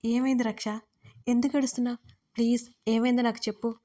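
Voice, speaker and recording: Gentle worried young guy in an audio story, a woman reading him, flat even voice. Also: a little high, fast talker, lightly acted. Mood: anxious. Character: gentle worried young man, hurt but caring.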